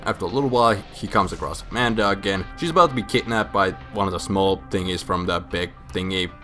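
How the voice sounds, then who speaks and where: A low-voiced man narrates like a drunk friend retelling a story, loose and rambling. He is crude and sarcastic, swears freely, and has music playing faintly behind him. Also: fast talker, bright, forceful tone. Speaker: host of a comic video game storyline recap. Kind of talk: casual comedic narration, profane and rambling.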